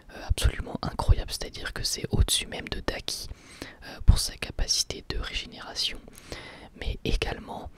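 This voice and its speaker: A man hosting an ASMR anime review in a breathy, unvoiced whisper, with halting, hesitant phrasing. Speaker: host of an anime review channel.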